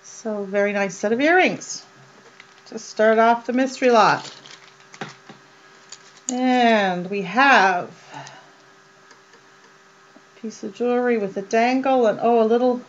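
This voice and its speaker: A woman with a slightly high voice talks slowly and casually as she shows off jewelry, filling pauses with ums and uhs. The sound is dull and lo-fi, with a mains hum underneath. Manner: slow and chatty, many ums and uhs. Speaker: jewelry vlogger. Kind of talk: casual show-and-tell.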